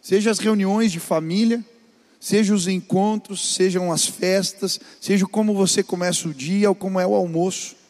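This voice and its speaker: A man's voice: high-pitched, fairly even intonation, moderate pace, a little mellow, big-room sound. A man, a pastor, preaching earnestly on family life and urging the listener directly.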